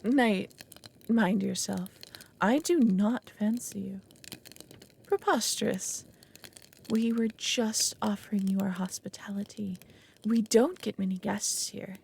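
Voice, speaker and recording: A woman playing an anxious, possessive dragon in an ASMR roleplay, halting and formal, often dropping into breathy half-whispers. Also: medium pitch, a little mellow, a little hiss or hum. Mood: flustered, coy. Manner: halting, earnest, formal wording. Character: anxious, lonely, possessive female dragon, awkwardly smitten. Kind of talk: ASMR roleplay audio drama.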